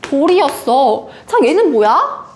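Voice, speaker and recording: Animated high-pitched woman teacher. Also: slow, a little hiss or hum. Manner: animated, acts out quoted lines. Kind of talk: classroom lecture.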